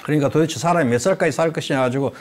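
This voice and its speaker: A man's voice: fairly high pitch, very fast, crowd noise. An older man giving an explanatory talk-show lecture as a guest expert, posing rhetorical questions and answering them in an emphatic, teacherly way. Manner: lively, emphatic teacherly delivery.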